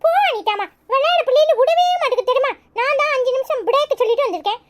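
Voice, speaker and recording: A woman's voice: very high-pitched, racing, voice pushed up. A woman doing a chirpy little village girl. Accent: Tirunelveli Tamil. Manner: chirpy, sing-song chatter. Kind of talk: cartoon voice acting.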